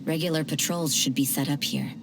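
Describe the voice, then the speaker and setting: A woman's voice: deep voice, steady tone, fairly quick, lightly acted. A woman voicing a stern, cool-headed female officer who speaks in a dry, authoritative way in game voice acting. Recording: game audio with clear music behind.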